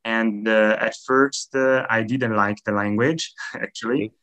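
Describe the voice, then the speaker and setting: A man's voice: fairly low pitch, steady tone, a little slow, fairly bright tone. A man in his twenties, a native Italian speaker, answering interview questions in a friendly, hesitant way with many fillers. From Italy. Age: 20s. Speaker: guest, language teacher and YouTuber.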